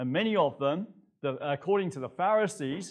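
A man's voice moves at a moderate tempo with quiet surroundings behind it. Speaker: preacher. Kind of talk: sermon. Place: church. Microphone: lapel.

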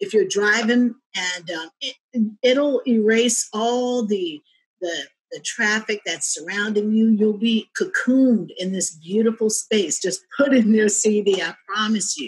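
A woman's fairly high, somewhat breathy voice at a very slow pace, with ordinary pitch variation and a quiet background. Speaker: magazine host. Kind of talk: casual friendly chat. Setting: video call. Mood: warm, enthusiastic. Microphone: video call.

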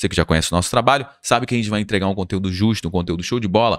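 The man's pitch is fairly low, with ordinary pitch variation. The sound is dry with no echo, over a quiet background. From Brazil. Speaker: economics commentator on video channel; economics commentator. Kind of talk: explanatory talk to camera with charts. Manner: casual conversational. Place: home room. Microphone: studio mic.

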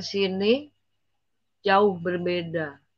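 Against a quiet background, a woman speaks at a very slow pace in a medium pitch with fairly even intonation. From East Java, Indonesia. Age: 60s. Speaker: convert giving testimony; guest. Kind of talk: testimony. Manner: casual rambling colloquial speech. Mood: earnest, emotional testimony. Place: home room. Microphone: voice very quiet; video call.

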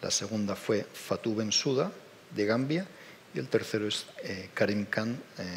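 A man with a plain, everyday voice, fairly low in pitch, at a fairly slow pace with ordinary pitch variation over light background noise. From Basque Country, San Sebastián; Basque Country, Spain. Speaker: international criminal investigator; speaker. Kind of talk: public talk. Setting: stage with audience. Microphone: headset.

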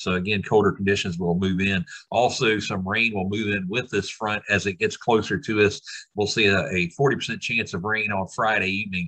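At a moderate pace with fairly even intonation, the speaker uses a normal speaking voice. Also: man, fairly low pitch for a man. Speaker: weather forecaster. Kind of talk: weather report, a steady, scripted-sounding local forecast delivered to the camera. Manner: even, businesslike and conversational, with occasional filler 'uh' pauses.

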